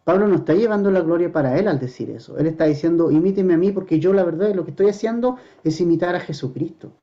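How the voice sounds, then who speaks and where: A man pastor preaching a verse-by-verse sermon, his voice fairly high yet very dark and mellow. He presses the congregation with rhetorical questions and slows down to lean on scripture quotes. The recording is dull and lo-fi.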